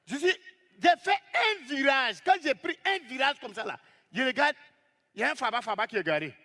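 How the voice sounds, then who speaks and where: A man telling a comic story on stage as a stand-up comedian, lively and exclaiming as he acts out the scenes. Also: very high voice, normal speed.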